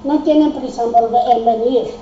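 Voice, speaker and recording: High-voiced woman, echoey. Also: normal speed, dark tone, slight background noise. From Spain. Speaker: group discussion participant. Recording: echoey, dull lo-fi recording.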